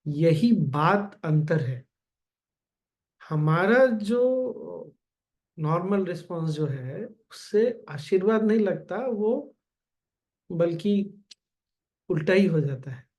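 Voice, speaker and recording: A man giving a gentle spiritual discourse as a teacher, calmly addressing his listeners directly. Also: high voice, takes it slowly, long pauses.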